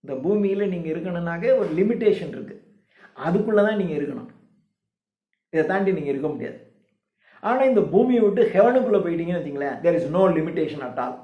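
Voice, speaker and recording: A man with a Tamil accent, teaching a poem. He reads the English lines slowly and with emphasis, then explains them quickly in casual speech. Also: high voice, animated, reverberant, muffled recording. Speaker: literature teacher.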